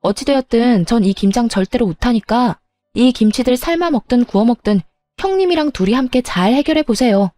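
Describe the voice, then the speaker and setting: Woman storyteller, defiant and sharp, mellow dark tone, dry close sound. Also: a little high, lively intonation, fairly quick, few pauses, dry recording, soft background music. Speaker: storyteller narrating as daughter-in-law. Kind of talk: dramatized first-person story narration.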